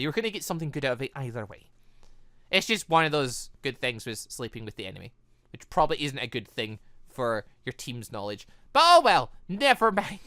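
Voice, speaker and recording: A gaming video host giving casual, excitable commentary, rambling and thinking aloud with frequent self-corrections. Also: medium pitch, no echo, clean studio sound.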